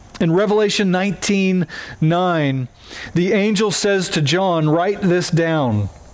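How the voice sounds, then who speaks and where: Over noticeable background noise, a man with an American accent talks at a very slow pace and a high pitch, his loudness very even. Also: ordinary pitch variation. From Oklahoma. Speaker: pastor. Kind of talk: sermon. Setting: church.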